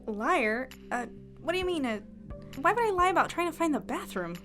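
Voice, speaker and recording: A woman's voice: sits high, sing-song, fairly quick, fairly bright tone, faint music behind. A woman playing an earnest, curious young journalist in a fiction podcast, polite and a little hesitant. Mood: flustered, evasive. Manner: hesitant, stammering when caught out, polite. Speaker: newspaper editor and narrator. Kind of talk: fiction podcast acting and narration.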